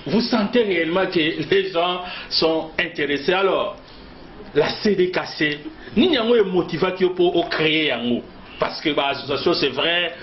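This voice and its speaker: High-voiced male host in an echoey room. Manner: affirming, asks long framing questions. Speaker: interview host. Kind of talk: interviewing a guest. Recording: echoey, dull, slight noise.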